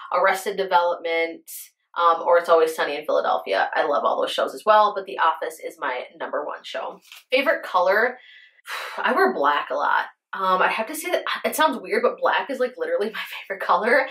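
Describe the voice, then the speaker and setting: A woman's voice: on the low side, fairly bright tone. A woman in her early thirties, a beauty vlogger chatting casually and gushing to her viewers, full of fillers. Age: 30s. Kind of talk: casual chat.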